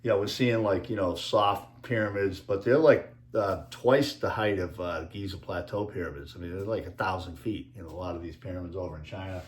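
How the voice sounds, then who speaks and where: Rambling Boston man in an echoey room. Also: low voice. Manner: rambling, halting, filler-heavy. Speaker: video creator and author. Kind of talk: casual monologue over slides.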